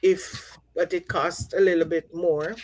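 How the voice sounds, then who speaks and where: A woman's voice: fairly low pitch, fairly even intonation, measured pace, darkish tone. A middle-aged woman from Jamaica, chatting casually on a live stream and repeating herself as she reads out viewer comments. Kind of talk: casual chat.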